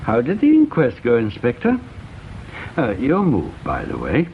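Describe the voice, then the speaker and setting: An actor playing a shrewd, urbane English jeweller in a radio mystery drama, with a dry, erudite manner. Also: male voice, mid-range voice, huge pitch swings, unhurried. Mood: dry, curious. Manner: dry, erudite, leisurely phrasing. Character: shrewd, urbane jeweller, chess companion to the inspector. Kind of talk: British radio drama acting. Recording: dull radio recording, slight background noise.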